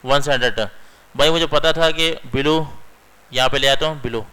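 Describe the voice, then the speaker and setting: Bright, crisp male computer instructor. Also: medium pitch, normal speed, rough recording. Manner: explains step by step, keeps checking in with "theek hai". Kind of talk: screen-recorded computer lesson.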